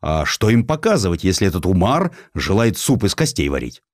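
A man narrating a historical story theatrically, with a dramatic, expressive delivery. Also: deep voice, fairly quick, no echo, studio quality.

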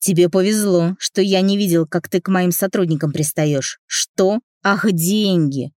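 A woman's voice: fairly low pitch, measured pace, a little mellow, dry recording, studio quality, close to an everyday voice. A woman reading an audiobook, voicing a male boss who keeps a friendly tone on the phone before threatening. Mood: menacing. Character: older brother and boss, calm then menacing.

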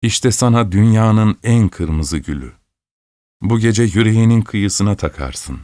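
A man's voice: on the low side, expressive, unhurried, mellow, no echo, clean studio sound. A man voicing an impulsive, lovesick young student in a storybook reading. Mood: eager. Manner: eager, then bitter.

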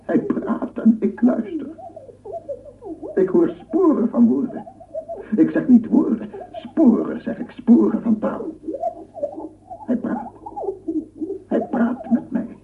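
Phone-like old radio play, fervent scientist, formal lecturing, rhetorical repetition, very animated pitch, slightly off-mic. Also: male voice, slow, pauses often, recorded from a distance, slight background noise, heavily acted. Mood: fervent, amazed. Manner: formal, rhetorical, repeats phrases. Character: obsessive male scientist lecturing on sounds, fervent, wondering. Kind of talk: radio drama lecture monologue.

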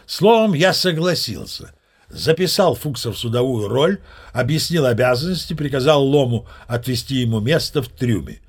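An actor playing an old sea captain spinning tall tales in an audio play, with a gravelly, husky voice and a folksy, self-assured way of talking. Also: male voice, medium pitch, lively intonation, normal speed. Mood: chatty, self-assured. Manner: folksy, conversational, addressing listeners. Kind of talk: dramatised storytelling in an audio play.

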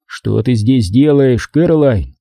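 Deadpan wry man, as the reader. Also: medium pitch, a little slow, gravelly, dry recording, studio quality. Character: dry, wry male bookseller, patient. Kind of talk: audiobook reading.

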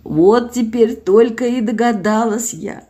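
Weepy old countrywoman, sing-song lament, high and quavering, voiced by a woman. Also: unhurried, warm tone, natural voice. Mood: tearful. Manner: sing-song, sobbing, folksy.

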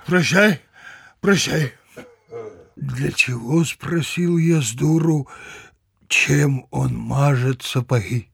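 A man's voice: mid-range voice, takes it slowly, gravelly, pauses often, a bit bright, breathy edge, no room sound, studio quality, heavily acted. An actor playing a blustering, indignant village father in a Russian audio drama, grumbling and exclaiming theatrically. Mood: awkward, flustered.

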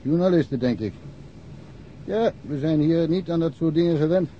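Male actor as middle-aged small-town inspector, talkative and self-deprecating, lighter-pitched, mellow; muffled radio play sound. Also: moderate pace, lightly acted. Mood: matter-of-fact. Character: chatty, folksy provincial Swedish police inspector, long-serving local. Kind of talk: naturalistic Dutch radio drama acting. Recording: muffled, noisy radio drama recording.

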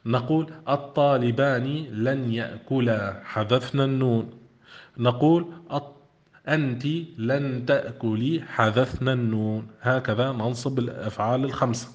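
A man's voice: mid-range voice, fairly even intonation, moderate pace, lo-fi sound. A man teaching an Arabic grammar lesson. He reads a classic text aloud, then explains it with repeated questions to his students.

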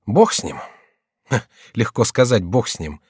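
A man voicing a rash young nobleman with a sardonic, brisk manner, in an audiobook reading. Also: on the low side, big pitch swings, darkish tone, breathy edge, dry recording, clean studio sound, heavily acted. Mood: wry.

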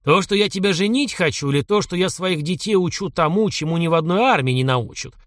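A man's voice: high-pitched, fairly quick, no room sound, studio quality, voice pushed up, natural voice. A man voicing a domineering 75-year-old count who bosses his grandson around with blunt, teasing commands. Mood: gruff bossy.

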